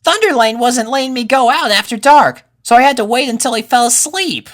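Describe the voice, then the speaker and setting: A man's voice: very high voice, brisk, pitched above the performer's own voice. A man voicing a cocky young colt pony in a storybook reading, boyish and defensive.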